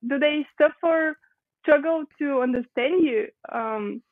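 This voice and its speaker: High-voiced woman host over a tinny call. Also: slow pace. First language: Bulgarian. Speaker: podcast host. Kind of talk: interview questions. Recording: tinny phone-like call audio.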